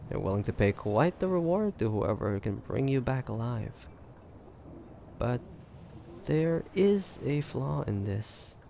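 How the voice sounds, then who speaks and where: A man playing an ambitious, shrewd pirate captain in an audio roleplay, taunting the listener in a deliberate, conspiratorial way. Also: medium pitch, big pitch swings, vocal fry, mellow, slight background noise, full character voice. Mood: smug probing. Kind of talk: roleplay audio drama monologue addressed to listener.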